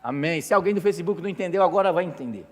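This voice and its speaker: A man preaching a sermon as pastor, animated and jokey, asking the congregation questions. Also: sits high, racing. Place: church hall. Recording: echoey church hall with music.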